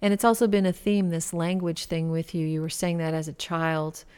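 Low, mellow-voiced woman radio host. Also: little pitch movement, normal speed, smooth. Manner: chatty, with frequent fillers. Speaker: radio show host and musician. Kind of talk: casual radio interview. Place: barn.

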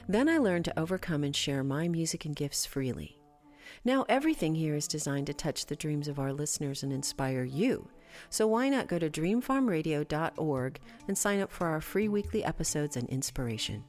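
A woman from California with a deep, darkish voice hosts a radio show. In a casual interview and promo, she chats with guests loosely, using lots of filler.

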